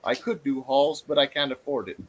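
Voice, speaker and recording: A man talking casually as a guest about books, pausing often with "uh". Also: mid-range voice, husky, rough recording. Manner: hesitant, frequent "uh" pauses. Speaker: guest, book video creator. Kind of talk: casual chat.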